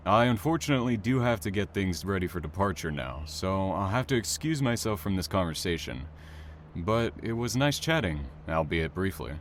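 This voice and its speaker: A man playing a reserved, formal character with dry, deadpan humour in an audio drama. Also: deep voice, normal speed, a little hiss or hum. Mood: polite, reserved.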